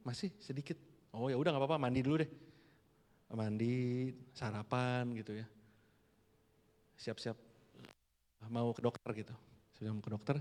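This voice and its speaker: A male pastor, telling a family story in an animated sermon and acting out the dialogue. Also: medium pitch. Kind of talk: storytelling sermon to a youth service. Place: church hall. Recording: long hall reverb.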